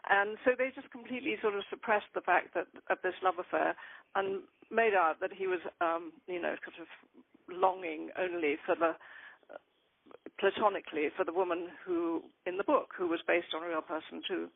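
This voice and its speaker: An older woman author talking about her novel in an interview, thoughtful and rambling with many pauses and ums. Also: lowish voice, gravelly. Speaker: author guest. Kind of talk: conversational interview. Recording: tinny phone-like line.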